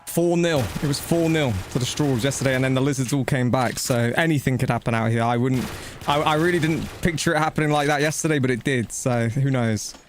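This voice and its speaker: A man streams a video game in a casual, matey way, chatting with his viewers as he plays. His talk is blunt, slangy and sweary, at a middling pitch, with faint game noise behind him. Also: brisk. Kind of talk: casual live gameplay commentary with chat.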